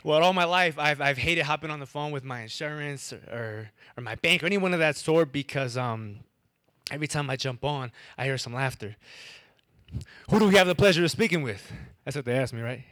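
A young man from Wisconsin shares his story before an audience, stumbling and repeating as his stutter catches him. His voice sits fairly high and sounds bright and forward. The sound is close and dry. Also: fairly quick, no echo. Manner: stutters, repeats words and breaks off syllables. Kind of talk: first-person storytelling to a live audience.

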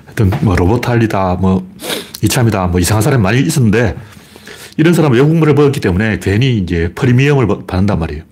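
Speaking fast in a fairly low, darkish voice with a breathy edge, this Gyeongsang-dialect livestream host is expressive as he welcomes his viewers. His casual talk wanders through mocking, opinionated remarks.

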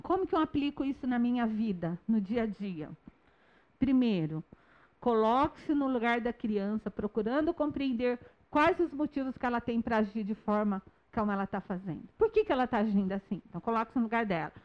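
Woman teacher addressing parents, soft patient delivery, slightly high voice, muffled recording. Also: lively intonation, brisk. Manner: gentle explaining tone, acts out dialogues with children. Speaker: early childhood teacher. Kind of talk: talk to parents on nonviolent communication. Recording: dull lo-fi sound.

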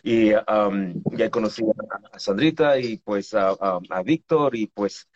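Sacerdote bromista de Ecuador. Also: male voice, on the low side, takes it slowly, dull audio. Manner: jokey, laughs often, hesitant with many fillers. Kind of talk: casual chat on a video call.

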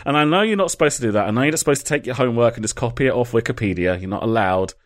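A man's voice: medium pitch, very fast, dry recording, studio quality. A man hosting a casual podcast, rambling and joking at his own expense. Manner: jokey, rambling, laughs at himself. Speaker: podcast host.

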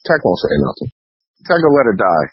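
A man's voice: medium pitch, big pitch swings, fairly quick, slightly rough, no echo. A man speaking bluntly and profanely in a casual phone interview, often repeating himself and mimicking what other people say. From New York, US. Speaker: interview guest, underground rapper. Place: phone call. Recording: dull lo-fi phone line.

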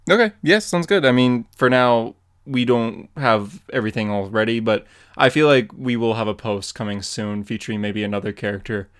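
A man in an easygoing podcast chat who wanders through his thoughts and keeps breaking into laughter. His voice sits at an ordinary middle pitch. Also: moderate pace, hardly any pauses, clean tone. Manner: rambling and giggly, laughs often mid-sentence. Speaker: podcast co-host and comic artist. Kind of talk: casual chat.

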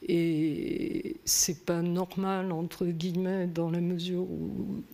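A French-born woman speaking thoughtfully in a conversation, hesitant with many pauses and fillers. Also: on the low side, flat delivery, vocal fry, dark tone. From France. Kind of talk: reflective conversation.

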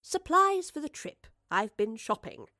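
A woman playing a confident, affectionate lady professor and adventurer in a storybook, brisk and cheerful with old-fashioned politeness. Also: a little high, big pitch swings, pushed and bright, no echo, studio quality, full character voice.

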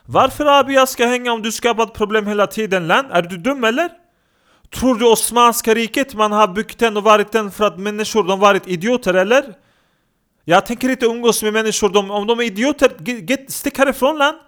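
A man voicing a boastful young man who is quick to insult others, talking bluntly in broken street Swedish in a comedy podcast sketch. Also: sits high, a bit bright, smooth, voice pushed up. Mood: brash, scornful.

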